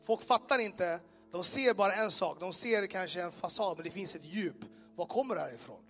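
In a room before a live audience, a high-voiced man shares his personal testimony while faint music plays behind him. He tells it with animation, adding sound effects and putting questions directly to his listeners.

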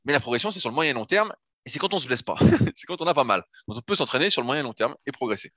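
A man's voice: mid-range voice, lively intonation, quick pace, bright, forceful tone, no echo. A man who works as a fitness coach, talking casually and explaining his method step by step, with the odd swear word. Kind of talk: casual podcast chat. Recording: dull lo-fi sound.

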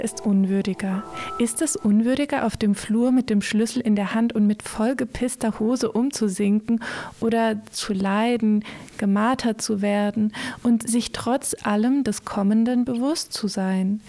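A woman playing an earnest, solemn thinker in a deliberate radio play monologue. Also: medium pitch, dark tone, natural voice. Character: earnest woman musing on death and dignity.

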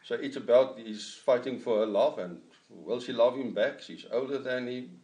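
Halting Afrikaans-accented man, echoey room. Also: medium pitch, warm tone. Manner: halting, searching for English words. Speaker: author. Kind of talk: interview about his novel. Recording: echoey room, mic at a distance.

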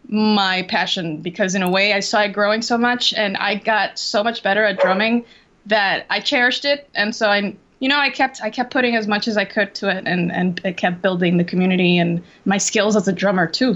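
A young woman from Costa Rica answers interview questions over a video call, rambling casually through lots of fillers and restarts. The sound is a little dull and lo-fi, as call audio often is. Her pitch sits in the middle for a woman. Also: steady tone, normal speed, fairly bright tone. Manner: chatty, many fillers and restarts. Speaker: interview guest, Twitch drummer.

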